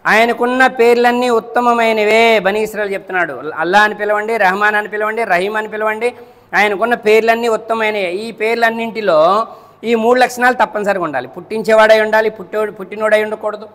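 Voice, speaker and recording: A man's voice: high-pitched, fairly even intonation, fast, fairly bright tone. A man giving a Friday sermon as a preacher, asking rhetorical questions, checking that his listeners follow, repeating and counting off his points. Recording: long echo of a large hall.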